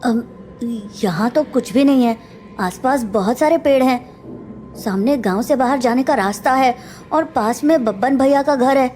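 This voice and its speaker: A woman's voice: high-pitched, normal speed, a little mellow, slight background noise, lightly acted. A woman voicing a frightened young boy who stammers nervously. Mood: curious.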